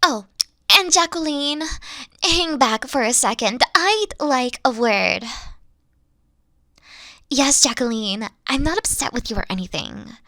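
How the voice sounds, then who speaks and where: A woman's voice: high-pitched, lively intonation, takes it slowly, pauses often, bright, forceful tone, no echo, clean studio sound, heavily acted. A woman playing a dorky, theatrical evil queen who is secretly sweet, talking pompously and then slipping into casual speech in a comedic audio roleplay. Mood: polite, chirpy villainy. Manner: grandiose, pompous villain talk slipping into casual dorkiness. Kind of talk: comedic character roleplay monologue.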